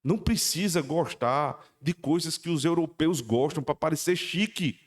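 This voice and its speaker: A man with a Paraíba Brazilian accent preaching a sermon as pastor, emphatic and exhorting. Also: normal speed. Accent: Paraíba Brazilian Portuguese. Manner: emphatic, exhorting, lively pitch swings. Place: church hall. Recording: long church-hall reverb.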